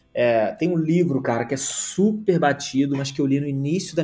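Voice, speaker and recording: A man's fairly high, somewhat breathy voice with a dark, mellow tone, lively intonation and a fairly quick pace. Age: 40s. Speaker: marketing and communications professional. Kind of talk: casual interview chat.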